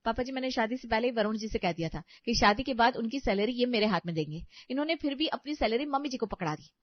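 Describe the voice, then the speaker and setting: A woman's voice: fairly high pitch, animated, fast talker, no echo, natural voice. A woman voicing a spoiled, haughty young bride in a cartoon story who is rude and sarcastic to her mother-in-law. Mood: demanding. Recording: dry, slightly dull audio.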